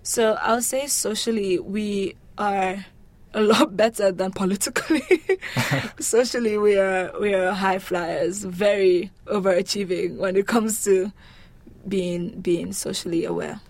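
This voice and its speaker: A young adult woman from Lagos with a Nigerian accent, answering interview questions in a chatty, humorous, expressive way. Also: medium pitch, unhurried, dry recording. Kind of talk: casual interview chat.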